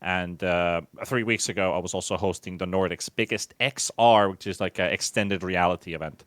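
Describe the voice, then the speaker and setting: A man's voice: low-pitched, fairly even intonation, normal speed, fairly bright tone, dry recording. A Finnish man in his late twenties with a Finnish accent, chatting casually as a guest about his work and travels. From Finland. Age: 20s. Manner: chatty, self-deprecating, lists things off. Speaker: esports commentator, guest. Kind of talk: casual conversational interview.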